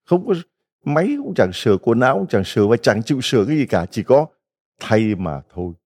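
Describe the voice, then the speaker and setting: A man's voice: mid-range voice, very animated, fairly quick, a little mellow. A middle-aged man, a Catholic priest, giving a folksy retreat homily full of stories and rhetorical questions to the congregation.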